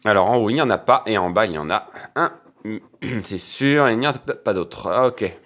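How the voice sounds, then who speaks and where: A man, quietly commenting as he scratches lottery tickets for his channel. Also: fairly low pitch, moderate pace. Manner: quiet running commentary, excited when winning. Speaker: scratch-card vlogger.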